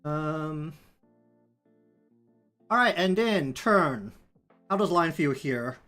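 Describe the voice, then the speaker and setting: A man's voice: a little high, expressive, extremely slow, fairly bright tone. A man with a broad New Zealand accent chatting casually on a livestream, rambling and thinking aloud as he works. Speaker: live streamer. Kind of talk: casual livestream chat while working. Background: background music.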